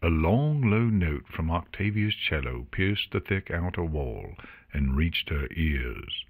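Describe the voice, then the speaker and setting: A man reading fantasy fiction as an audiobook narrator in an expressive, scripted storytelling style. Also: deep voice, slow pace.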